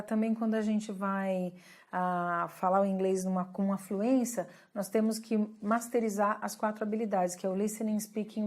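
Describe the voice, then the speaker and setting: Brazilian woman teaching English, chatty. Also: mid-range voice. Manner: explanatory, checks in with "ok?" often. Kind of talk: online English lesson.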